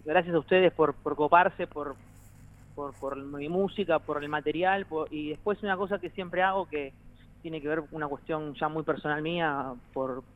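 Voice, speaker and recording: Speaking at a normal speed with a steady tone, this Argentine man in his thirties sounds slightly high-pitched over phone-quality audio. He's a musician guest in a relaxed interview, wandering off topic, cracking jokes and laughing a lot.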